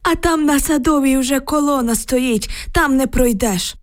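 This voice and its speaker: A woman's voice: high-pitched, a little slow, pitched above the performer's own voice. A woman voicing a frightened village man of about seventy, who tells his news in a lamenting, emotional way.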